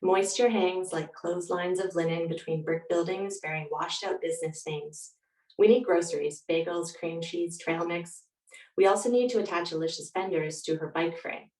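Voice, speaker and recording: Woman, lowish pitch, thoughtful author, roomy echo, off the mic. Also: fairly even intonation, moderate pace, darkish tone, far from the mic. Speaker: guest author. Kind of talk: reflective interview answers and reading aloud.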